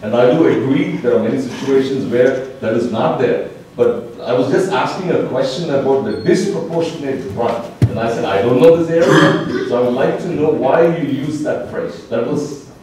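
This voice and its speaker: A man's voice: medium pitch, moderate pace, few pauses, a little mellow. A man in the audience at a panel discussion, insistently restating what his question meant. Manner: insistent, correcting himself. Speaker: audience member. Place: conference room. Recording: echoey, distant room mic with hiss.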